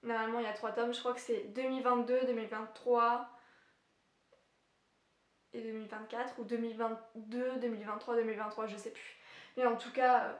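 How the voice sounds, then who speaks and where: A woman's voice: a little high, level tone, fairly quick. A young woman vlogging casually about upcoming books, hesitant, with many fillers and restarts. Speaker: book vlogger. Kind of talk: casual book chat. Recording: echoey room.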